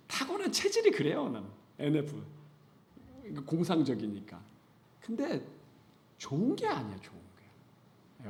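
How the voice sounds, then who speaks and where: A middle-aged man preaches a sermon in a church sanctuary. His voice sits a bit high and swings widely as he jokes, laughs and presses his points. It carries a roomy echo from the hall. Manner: animated preaching, rising to loud emphasis, then dropping to whispers. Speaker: pastor.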